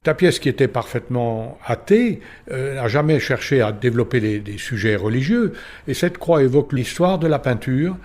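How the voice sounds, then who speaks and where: A man with a medium-pitched voice comments on art without a script. He explains in a measured, considered way, setting out details in short phrases with pauses between them. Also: a little mellow.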